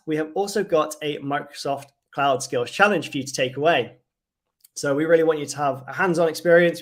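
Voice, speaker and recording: Upbeat man presenting a tech livestream. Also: a little high. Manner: enthusiastic, lots of "wonderful" and "fantastic". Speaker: cloud advocate presenting a livestream.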